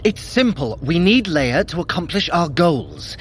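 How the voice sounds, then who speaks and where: A man's voice: on the high side, sing-song, unhurried, in a large hall, slight background noise. An actor playing a haughty, sly male trickster god in an audio drama, wry and theatrically imperious. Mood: brisk, scheming.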